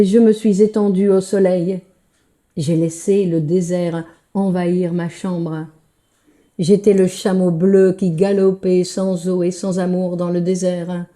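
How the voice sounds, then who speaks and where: Female poetry reader, very mellow and relaxed tone, unhurried, measured literary delivery. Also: on the low side. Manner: measured, deliberate phrasing with pauses.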